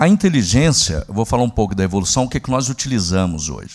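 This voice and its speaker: His pitch swings very widely as a man talks at a moderate pace, the recording very clean and the background silent. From Minas Gerais, Brazil. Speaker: technology executive, panelist. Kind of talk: panel discussion at conference. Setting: stage with audience.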